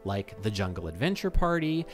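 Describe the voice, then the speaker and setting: A man in his thirties talking casually to camera in an animated way, explaining as a video host, close to a microphone in a small home room. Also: lowish voice, normal speed, soft background music. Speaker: video host and game music composer. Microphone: microphone on a stand close in front.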